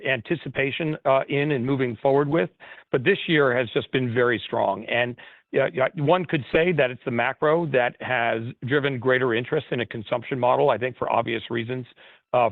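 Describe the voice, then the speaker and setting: A man with an average-pitched voice comes over a dry, narrow phone line. He answers like a chief executive on an investor call, halting and repeating words as he makes emphatic points. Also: no room sound.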